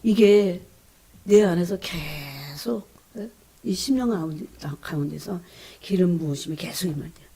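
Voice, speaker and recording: Fervent woman preacher, dark husky voice. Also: lowish voice, expressive, measured pace. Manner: fervent, emotional preaching with frequent call-outs to the congregation; swings between loud emphasis and hushed whispers. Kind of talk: sermon.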